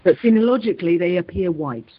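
Measured British woman on a lo-fi call. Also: on the low side, animated, husky. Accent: British English. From United Kingdom. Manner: measured, hesitant, many restarts and fillers. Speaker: guest professor. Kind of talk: thoughtful interview answers.

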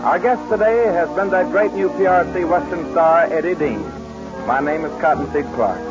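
A man's voice: on the high side, moderate pace. A man hosting a scripted Western radio show as an old-time announcer. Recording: dull lo-fi vintage radio, music behind.

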